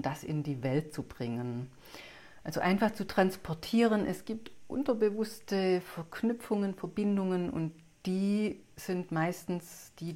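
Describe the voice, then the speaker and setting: A woman's voice: fairly low pitch, dark tone. A woman psychologist and hypnotherapist giving an earnest talk, often asking herself questions and restarting her sentences. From rural Alpine region. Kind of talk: spoken talk to an audience.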